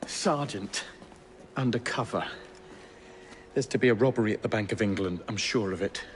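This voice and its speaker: A man's voice: on the low side, moderate pace, soft background music, natural voice. An actor playing an earnest undercover police sergeant who insists on his rank in a video game cutscene.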